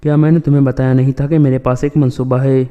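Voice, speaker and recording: A man reading the lines of a stern, commanding male tribal chief in a flat, even voice. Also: medium pitch, dull audio, lightly acted.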